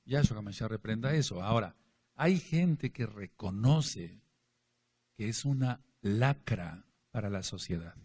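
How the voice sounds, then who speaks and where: A man's voice: on the low side, animated, unhurried, breathy edge. A man preaching a sermon and reading scripture aloud, emphatic, with his voice rising and falling. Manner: emphatic preaching, asks for amens, swings between loud and quiet.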